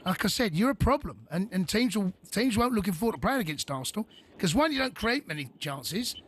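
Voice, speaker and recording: A man's voice: high voice, sing-song, a little fast, fairly bright tone. A man co-hosting a sports radio phone-in, talking in rambling restarts. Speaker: radio show co-host.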